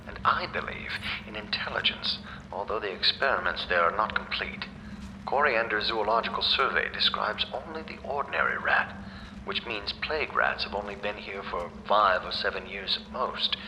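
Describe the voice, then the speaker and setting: A man's voice: lowish voice, moderate pace, background noise, natural voice. A man playing a pedantic, inquisitive natural philosopher in a video game, musing aloud like a scholar.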